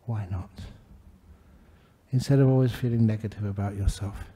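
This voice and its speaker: An older man, a Buddhist monk giving a gentle, humorous dharma talk to a gathering. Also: lowish voice, fairly even intonation, normal speed, breathy edge. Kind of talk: relaxed dharma talk with anecdotes.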